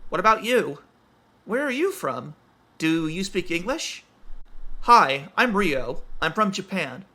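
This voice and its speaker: A man reading scripted everyday conversations for English learners, in a clear, evenly paced textbook delivery. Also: high-pitched, sing-song, slow, sharp tone. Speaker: dialogue voice for English practice.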